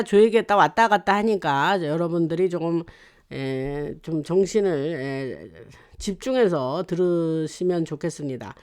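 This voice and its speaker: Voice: medium pitch, clean tone. A channel host from Korea giving a casual news commentary monologue, rambling and hesitating often with fillers.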